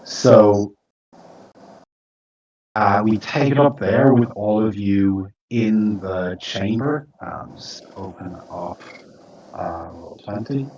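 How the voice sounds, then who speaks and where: Slow, halting male game master. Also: on the low side, a little mellow, distant mic, dull audio. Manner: halting, with many fillers and restarts. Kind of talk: narrating a tabletop game.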